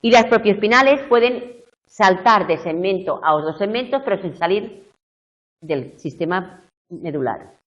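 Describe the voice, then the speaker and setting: Muffled and lo-fi, this classroom recording captures a middle-aged woman teaching a live video university tutorial. Her voice sits at medium pitch, expressive and measured in pace, as she explains step by step and frequently checks in with her students.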